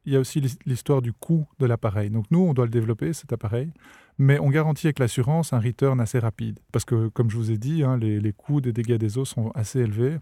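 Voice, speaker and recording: A man's voice: medium pitch, fast, dark tone, dry recording. A Belgian man with a Belgian French accent, a startup founder explaining his work in a podcast interview, often repeating words as he thinks.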